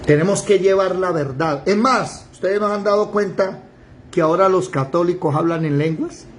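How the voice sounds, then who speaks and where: A middle-aged man teaching an informal Bible class, animated, firing rhetorical questions and acting out short mock dialogues. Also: high voice, normal speed, slight background noise. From Colombia.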